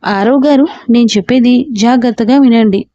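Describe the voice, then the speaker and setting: Woman voicing a calm matter-of-fact doctor. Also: on the high side, moderate pace, highs cut off, lightly acted.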